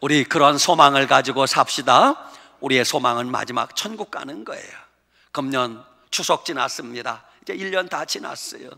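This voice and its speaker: Man, pastor, emphatic sermon, rhetorical questions, bright ringing tone, long church reverb. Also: mid-range voice, normal speed, gravelly. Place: church sanctuary.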